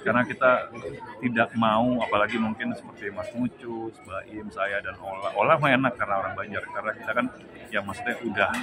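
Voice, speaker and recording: A man in his forties, an actor, answering interview questions thoughtfully with many pauses, at a crowded banquet hall. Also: fairly low pitch, steady tone, over music. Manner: thoughtful, rambling with fillers. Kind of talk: press interview. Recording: loud crowd chatter behind.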